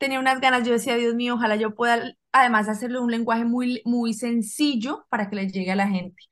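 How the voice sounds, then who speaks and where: A woman's fairly high, an unremarkable speaking voice, fairly quick with hardly any pauses and fairly even intonation, against a quiet background. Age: 30s. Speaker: health coach and author; health coach. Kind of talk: interview. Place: home room. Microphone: video call.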